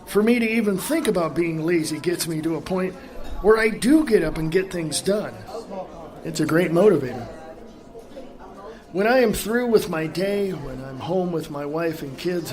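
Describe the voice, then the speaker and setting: An actor playing a reflective, contented middle-aged family man in a radio theatre monologue, measured and pensive with dramatic pauses. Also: high-pitched, expressive, a little mellow. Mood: contented, earnest.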